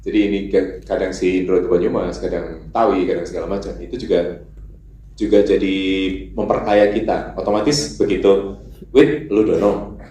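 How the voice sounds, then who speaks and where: A man's voice: low voice, fairly even intonation, normal speed, warm tone, dull audio, slight background noise. A man who voices a cartoon character, answering questions at a press conference in an earnest, rambling way. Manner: earnest, rambling with fillers and asides. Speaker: voice actor for the film. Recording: echoey hall with faint ambience.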